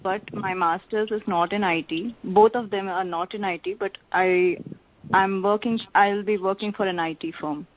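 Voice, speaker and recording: A woman's voice: mid-range voice, steady tone, normal speed. Young woman calling in, short answers, muffled phone audio w a bit of noise and clicking. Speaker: caller asking for advice. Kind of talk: brief answers on a conference call. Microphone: phone conference line. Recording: dull, noisy phone line with clicks.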